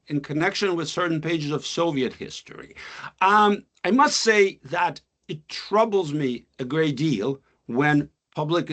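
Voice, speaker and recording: A man, a poet and scholar whose first language is Russian, reads his own poem solemnly and then lectures with many pauses on a video call. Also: medium pitch. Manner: measured, solemn recitation with long pauses; thoughtful academic talk with many filler uhs. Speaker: guest speaker, poet and scholar.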